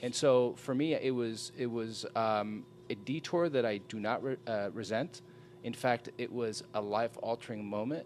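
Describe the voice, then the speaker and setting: Male speech at a medium pitch and moderate pace, its pitch varying in an ordinary way. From Andorra until age 7, then United States. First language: French. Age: 50s. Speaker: multicultural marketing researcher. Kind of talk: podcast interview. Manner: hesitant, many fillers.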